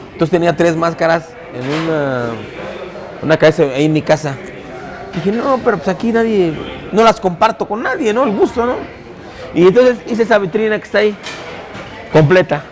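This taquería owner, a Mexican-accented man in his forties, recounts his restaurant's history while seated for a camera interview inside its crowded dining room. He sounds animated and on the high side, speaking at normal speed with frequent pauses and easygoing, hesitant restarts. A crowd murmurs in the background and music runs under his speech.

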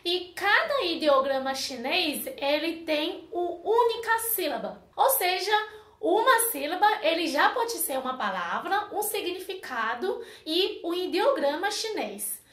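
High-voiced woman. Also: sing-song, unhurried, a bit bright, reverberant. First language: Mandarin Chinese. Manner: patient, checks in often with tag questions. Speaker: Chinese teacher. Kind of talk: explanatory language lesson.

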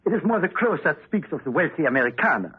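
A fawning innkeeper with a thick German accent and a husky, rough voice, pitched a little high and swinging up and down as he bows and scrapes. He comes through a thin, phone-like old radio recording. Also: big pitch swings, fast, heavily acted. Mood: polite. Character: obsequious Austrian innkeeper, middle-aged man. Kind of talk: old-time radio drama acting. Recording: tinny old radio broadcast.

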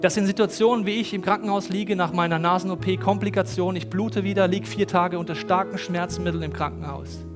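A man preaching a sermon from a church stage, telling lively personal stories and speaking straight to the listeners. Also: high-pitched, a little fast, hardly any pauses, music in the background. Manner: lively storytelling, addresses listeners directly. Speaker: pastor. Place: church stage before a congregation.

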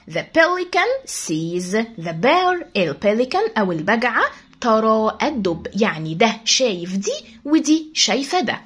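Lively Egyptian woman teaching English. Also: on the high side, breathy edge. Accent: Egyptian Arabic. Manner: quick explanations, slow English reading. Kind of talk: explaining a story for a children's class.

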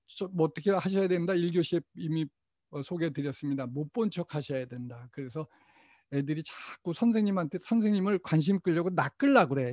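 Middle-aged man lecturing teachers, mellow. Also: a little high, no room sound, highs cut off. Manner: asks questions and answers them himself, leads call-and-response, chuckles often. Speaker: teacher trainer.

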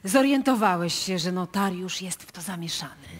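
An actress playing a puzzled, questioning prosecutor in a radio play, with a probing, businesslike manner. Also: female voice, lowish voice, expressive, moderate pace. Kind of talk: live radio play acting.

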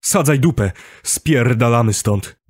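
A man voicing a brash, foul-mouthed male driver who shouts and swears irritably in an audiobook. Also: mid-range voice, a little slow, breathy edge, dry recording, studio quality, voice pushed up. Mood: shouting angrily.

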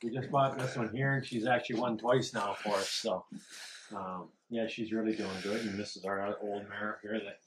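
A man's voice: on the low side, fairly even intonation, moderate pace. A middle-aged man telling a rambling story about his barn outdoors, with plenty of fillers and chuckles. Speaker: barn owner. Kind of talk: casual storytelling. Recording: outdoor camera audio with clear background noise.

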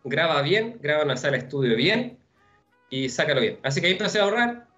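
A young man with a Chilean accent answering interview questions on a video call from home, relaxed and rambling with many fillers. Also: on the high side, fast. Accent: Chilean Spanish. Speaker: musician guest. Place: room at home. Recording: dull lo-fi video call audio with faint music.

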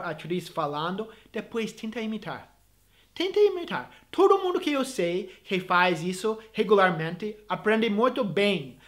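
A man's voice: high-pitched, a bit bright. A man who teaches English, giving earnest, encouraging advice to viewers in a video lesson, with frequent restarts and small grammar slips as he speaks Portuguese as a learner.

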